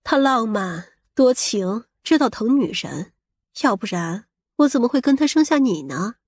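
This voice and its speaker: A woman's voice: a little high, expressive, measured pace, a little mellow, slightly rough, dry recording, studio quality. A woman playing a vain, scheming middle-aged mother in an audiobook, with a scolding, boastful and coarse-tongued manner. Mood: resentful, proud. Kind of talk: audiobook character acting.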